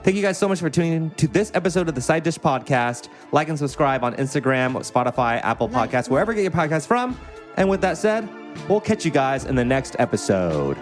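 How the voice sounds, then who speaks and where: A man's voice: on the high side, sing-song, a little fast, faint music behind. A man hosting a podcast in casual chat, joking and playful. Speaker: podcast host.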